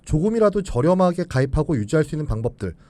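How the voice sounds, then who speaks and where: A man, a financial expert guest on a radio show, explaining insurance changes quickly. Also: fairly high pitch, sing-song, dark tone, no echo. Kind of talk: radio advice talk. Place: radio studio.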